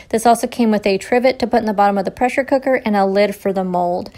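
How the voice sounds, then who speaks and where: A young adult woman walking through a recipe step by step in a home kitchen cooking tutorial. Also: medium pitch. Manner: steady step-by-step instructional. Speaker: cooking vlogger.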